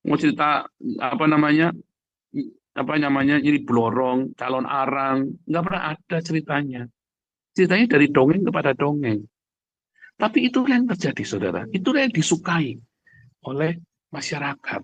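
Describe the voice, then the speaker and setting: A man preaching in a conversational, emphatic way, repeating phrases for emphasis and addressing listeners directly, with a husky voice. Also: on the high side, expressive, moderate pace, pauses often, a bit bright, no echo, dull audio. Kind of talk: livestream sermon, conversational and emphatic.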